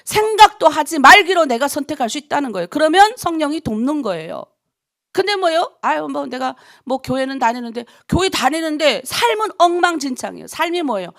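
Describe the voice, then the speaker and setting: A woman's voice: sits high, a bit bright. A middle-aged woman pastor preaching a dawn prayer sermon, appealing to her congregation with heated rhetorical questions. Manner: impassioned, rhetorical questions to the congregation, quoting others in voices. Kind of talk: early-morning prayer sermon.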